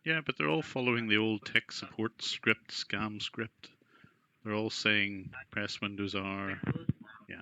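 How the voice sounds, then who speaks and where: A man with a gravelly voice, questioning someone in a persistent, skeptical, conversational way. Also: fairly low pitch, steady tone, measured pace, sharp tone, rough recording. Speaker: scam baiter questioning a scam caller.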